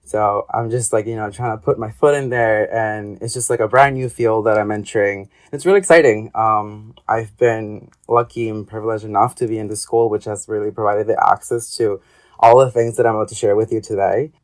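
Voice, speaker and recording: A man's voice: fairly low pitch, fairly even intonation, a little fast. A young adult man from Ecuador, an interview guest talking casually with hesitant, rambling speech and many fillers. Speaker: guest, artist and graduate student.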